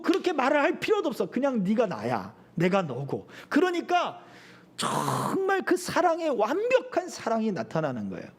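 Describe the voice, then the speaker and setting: A middle-aged man preaching a sermon as pastor, animated, acting out quoted voices as he goes. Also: high voice, breathy edge.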